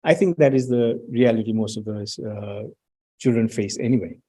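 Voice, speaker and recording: A middle-aged man presenting research findings at an academic talk, pausing often with fillers and restarts. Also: medium pitch, dark tone. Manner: hesitant, many fillers and restarts, reads out student quotes.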